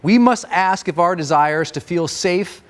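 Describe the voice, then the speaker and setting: A man's voice: high-pitched, measured pace, no room sound. A man giving an emphatic, declamatory reading of a scripted inspirational manifesto.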